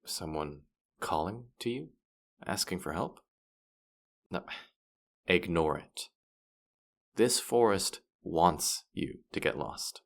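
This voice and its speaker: Man acting as deep, gravelly, teasing demon guide. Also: expressive, takes it slowly, pauses often, heavily acted. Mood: coaxing, guiding. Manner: condescending, playful, exasperated. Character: teasing, boastful male demon guide of the afterlife. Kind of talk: roleplay audio drama, addressing the listener.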